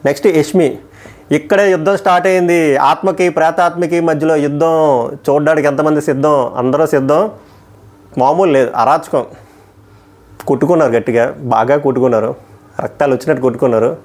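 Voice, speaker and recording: Guy ranting through a tv episode review, talks super fast, kinda high voice, very opinionated. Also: fairly even intonation, darkish tone. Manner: emphatic, opinionated, quickly switching between points. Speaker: TV show reviewer.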